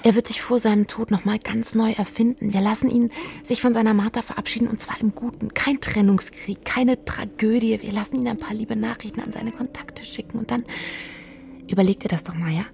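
An actress playing a calm, eerie young woman who whispers softly and persuasively in a radio play. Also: a little high, brisk, creaky. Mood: dreamy. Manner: soft, dreamy persuasive whispering. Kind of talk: radio play acting and narration.

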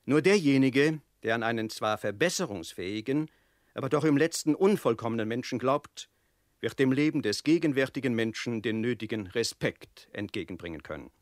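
An actor reading as a grave, critical author, in a formal, emphatic radio-feature manner. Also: male voice, mid-range voice, expressive, normal speed, no room sound, clean studio sound, close to an everyday voice. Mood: earnest, critical.

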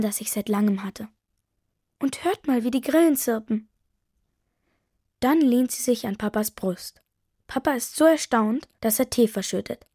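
A woman narrating a children's story in a gentle, lively way, voicing the characters as she reads. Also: on the high side, dry recording, studio quality.

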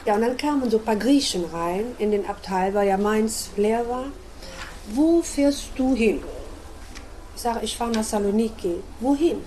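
Older German woman interviewee, lively anecdotal chat, faint background hiss. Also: a little high, rough recording. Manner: chatty, acts out quoted voices, adds tag questions. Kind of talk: recounting memories in conversation.

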